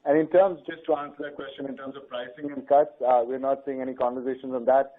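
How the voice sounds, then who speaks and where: Exec guy answering on an earnings call, thin phone sound, mid pitched voice. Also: little pitch movement, fast talker. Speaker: company executive. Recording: tinny narrowband conference phone line.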